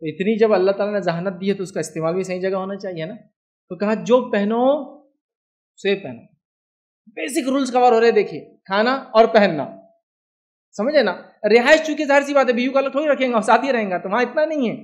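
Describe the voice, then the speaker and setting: Brisk and high-pitched, a man with an Indian Hindi-Urdu accent gives an Islamic lecture in a chatty style, regularly pausing to ask his listeners "do you understand?"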